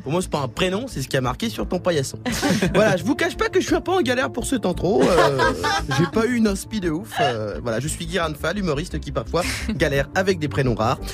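Lively high-voiced comedian on radio. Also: male voice, quick pace, music in the background. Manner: jokey, laughing at his own gags, animated. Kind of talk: comic news segment on radio.

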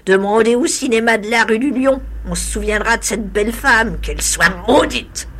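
A woman's voice: moderate pace, fairly bright tone, slight background noise, lightly acted. A woman reading a short story, voicing a spiteful, greedy, disfigured old hag with a grating, cackling voice. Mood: shrill, sneering. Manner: wheedling, shrill, sneering.

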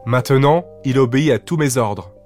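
A man voicing a mean, bossy boy who teases his little cousin, mocking and shrill when scared. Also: moderate pace, darkish tone, soft background music, natural voice. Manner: mocking, then shrill and panicked.

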